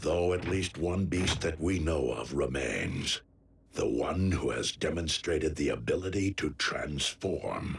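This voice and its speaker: A man performs a cartoonish character voice with a very deep, low pitch. He goes at a fairly slow pace, and the recording is very clean with a silent background. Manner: deep-toned calm gravity.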